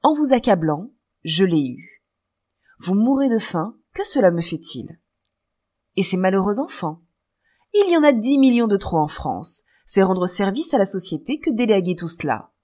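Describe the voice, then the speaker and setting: A woman's voice: medium pitch, big pitch swings, moderate pace, warm tone. A woman voicing a cruel, lustful nobleman. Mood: gloating. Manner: gloating, callous. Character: cruel, lustful older male minister.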